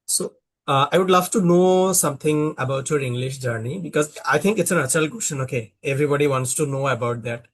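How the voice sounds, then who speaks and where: A man's voice: a little high, a little fast, slight background noise. Bangladeshi man asking questions in practice chat. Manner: questioning, filler-heavy, restarts. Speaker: conversation partner, small YouTuber. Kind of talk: casual practice conversation.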